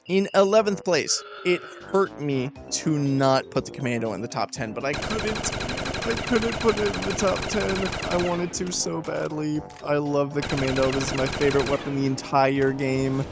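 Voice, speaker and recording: A young man giving emphatic, profane weapon-ranking commentary, his throat tired and a little raspy. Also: on the high side, moderate pace. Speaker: gaming video host. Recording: voice-over with loud music behind.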